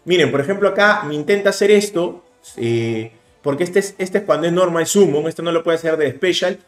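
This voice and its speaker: A man in his thirties with a Peruvian Spanish accent, commentating a card game replay in a casual, animated way. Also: a little high, roomy sound, soft background music. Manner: animated, explaining plays rapidly with bursts of emphasis. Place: indoor room, webcam overlay.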